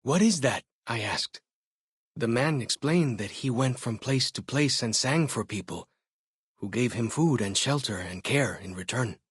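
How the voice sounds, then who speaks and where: A young tribal scout from a video game, earnest and loyal, with a slightly unclear, dry-recorded voice at a middle pitch. He speaks plainly in short, measured phrases, like someone recounting his people's history. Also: lively intonation, breathy edge, dry recording. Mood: wistful. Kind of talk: video game character dialogue.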